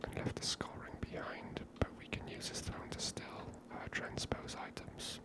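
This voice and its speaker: A woman hosting an ASMR gaming series, giving casual, unscripted commentary in a breathy whisper. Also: normal speed.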